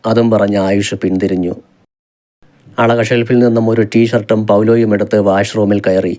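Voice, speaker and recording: A man narrating a romance novel as an audiobook, with steady, unhurried storytelling. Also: lowish voice.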